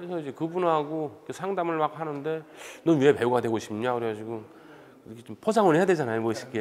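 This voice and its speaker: A man speaks at a fairly quick pace. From North Korea. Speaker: film director. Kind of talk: interview.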